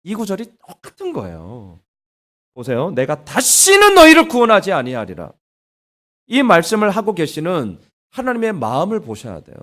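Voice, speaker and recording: Animated Korean pastor preaching. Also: male voice, high voice. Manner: animated, acts out blunt scolding lines. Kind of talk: sermon. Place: church sanctuary.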